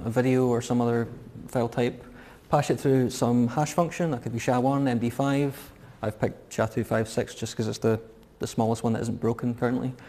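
A man at a moderate pace, dark and mellow in tone, with fairly even intonation. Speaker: researcher; presenter. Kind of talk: conference talk. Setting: lecture room with audience. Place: classroom.

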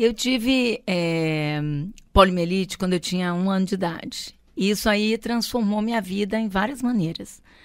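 A woman talks in a plain, everyday voice at a moderate pace with ordinary pitch variation. The recording is very clean, with a silent background. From Brazil, São Paulo state. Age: 60s. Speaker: epidemiology professor. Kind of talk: interview.

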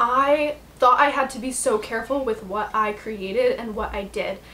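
A woman with an American accent speaks in a high pitch. She goes fairly slowly over light background noise. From Utah. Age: 20s. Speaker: online content creator. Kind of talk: vlog monologue. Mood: calm, reflective. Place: home room.

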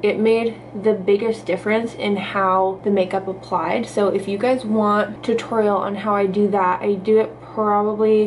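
With light background noise behind her, a woman speaks at a moderate pace in a monotone, flat intonation. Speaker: beauty vlogger. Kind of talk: makeup tutorial. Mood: relaxed, cheerful. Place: bathroom. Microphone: phone near.

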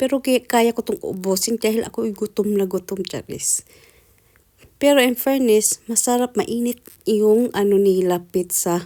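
The voice has a dark, mellow tone with ordinary pitch variation at a moderate pace. The recording is very clean, with a silent background and a dry, close sound with no echo. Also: woman, fairly high pitch for a woman. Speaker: vlogger. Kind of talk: vlog narration. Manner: casual.

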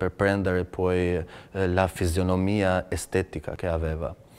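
A man with an Albanian accent speaks at a fairly slow pace. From Albania, Shkodër. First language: Albanian (speaking Italian). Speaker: visual artist. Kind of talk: interview monologue about own work. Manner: halting, many fillers and repetitions. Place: hall.

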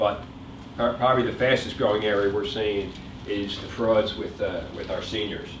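A man speaks at a moderate pace in a fairly low pitch, with audible room echo and light background noise. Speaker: criminal investigator. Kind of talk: presentation. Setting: stage with audience. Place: hall.

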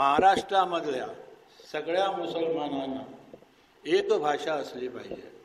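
There is audible room echo and light background noise. A man speaks at a fairly high pitch with ordinary pitch variation. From Konkan, Maharashtra; Maharashtra. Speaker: speaker at literary conference; conference speaker. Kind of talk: public speech. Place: hall. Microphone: podium.

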